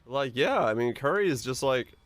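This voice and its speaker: A man's voice: mid-range voice, lively intonation, moderate pace, a bit bright. A man from Finland chatting casually and informally with viewers as a game livestreamer, musing aloud with some mild swearing. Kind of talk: casual chat with stream viewers.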